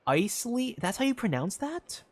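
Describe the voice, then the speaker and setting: Casual game streamer with a middling pitch. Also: big pitch swings, normal speed. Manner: informal, swears. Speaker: streamer playing a video game. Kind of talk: casual gameplay commentary, reading lines aloud.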